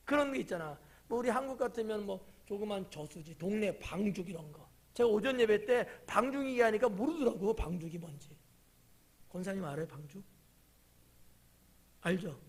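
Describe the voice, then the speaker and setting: A male pastor, preaching a casual Wednesday sermon. He keeps asking the congregation questions, then sinks to a whisper or jumps to a shout. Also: sits high. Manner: chatty, quizzes the congregation by title; drops to whispers and rises to sudden shouts. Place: church sanctuary.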